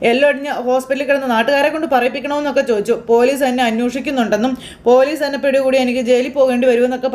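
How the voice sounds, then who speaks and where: A woman retelling a TV serial episode, acting out the characters' lines in quick fragments with restarts. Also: sits high.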